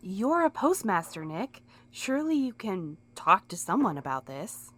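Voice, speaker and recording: A female voice of middle pitch, swinging widely, an actress as an anxious, conscientious young woman in an audio drama. She sounds earnest and emotional, always half pleading. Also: very animated, measured pace, a bit bright.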